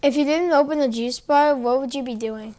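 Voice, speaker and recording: A woman asks interview questions, stumbling a little with uhs and likes. Her voice sits somewhat high. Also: brisk, a little mellow.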